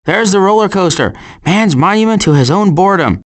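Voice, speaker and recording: A man brings a glib, sardonic animal adventurer to life in an animated game, speaking briskly with a high pitch. Expect dry sarcasm and deadpan asides.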